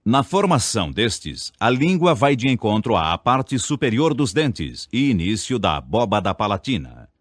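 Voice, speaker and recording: A Brazilian man reads a scripted diction lesson, sounding every syllable of his examples with care. His low voice moves through a wide, lively range. The recording is close and dry. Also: no echo. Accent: Brazilian Portuguese. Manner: deliberate, over-enunciates example words. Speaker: speech teacher.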